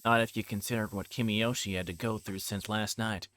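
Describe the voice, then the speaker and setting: A man's voice: fairly low pitch, steady tone, a little fast, a bit bright, slight background noise. A man reading a visual novel aloud on a livestream, narrating in first person and occasionally stumbling over words. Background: game music.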